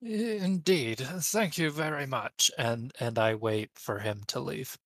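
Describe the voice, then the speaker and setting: Slow, dry-sounding tabletop player. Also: medium pitch, no echo. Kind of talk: casual tabletop play. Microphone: remote voice call.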